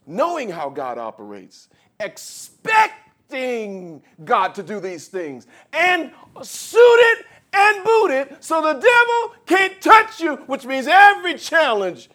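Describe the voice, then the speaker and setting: A man delivers an animated sermon to his congregation. His voice sits high for a man and leaps all over the place, dropping low and quiet, then rising into shouts as he plays out the scripture. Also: slow. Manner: animated preaching, acts out a stammering Moses with shouts. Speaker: pastor.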